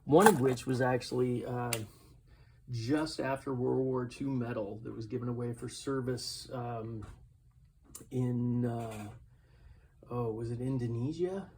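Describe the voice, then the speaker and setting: An older man with a medium-pitched voice talks through his collectibles in a loose, unscripted way. He wanders from point to point and gently pokes fun at himself. The recording carries some faint noise and small clicks. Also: steady tone, measured pace. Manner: rambling, self-deprecating. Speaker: collectibles reseller showing a garage sale haul. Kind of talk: casual unscripted show-and-tell vlog. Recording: clearly noisy home recording with clicks.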